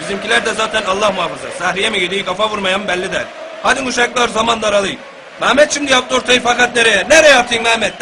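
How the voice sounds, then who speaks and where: Man acting high-pitched, fast Gaziantep-accented Turkish football commentator. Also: close to an everyday voice. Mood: excited, exasperated. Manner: folksy, grumbling, colloquial asides between formal match calls. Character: exasperated, foul-mouthed, partisan male local football commentator. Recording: clear background noise and ambience.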